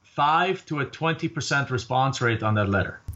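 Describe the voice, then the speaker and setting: This is a man speaking. He has a German accent. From Germany. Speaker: real estate investor. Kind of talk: interview.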